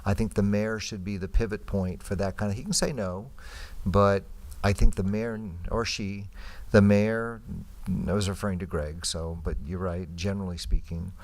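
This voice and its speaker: Deep-voiced, plain-spoken man making his case. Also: steady tone, normal speed, a little mellow. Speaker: council member and former mayor. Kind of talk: informal argument in council discussion.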